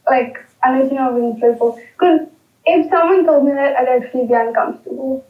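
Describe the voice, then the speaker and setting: A woman's voice: high voice, brisk. Woman on speakerphone, dull and roomy. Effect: heard over speakerphone. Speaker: caller. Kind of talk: casual chat.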